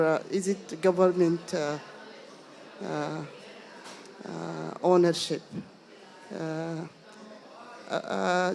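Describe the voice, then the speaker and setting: A woman's voice: mid-range voice, a little mellow. A woman from Sudan asking a panel several questions from the floor, hesitant and full of fillers and restarts. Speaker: audience member asking questions.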